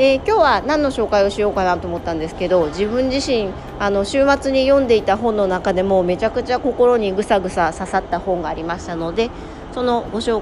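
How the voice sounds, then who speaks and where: A woman at medium pitch with lively intonation and noticeable background noise. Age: 40s. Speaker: podcast host, working mother. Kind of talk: casual solo monologue, book review. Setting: outdoors on lunch break.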